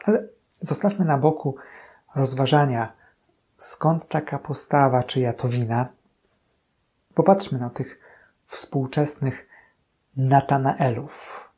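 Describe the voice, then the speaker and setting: A priest in his thirties giving a calm, earnest gospel commentary in a small chapel room. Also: medium pitch, slightly rough. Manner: calm, earnest, slow-paced reflection. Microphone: fixed camera, medium shot.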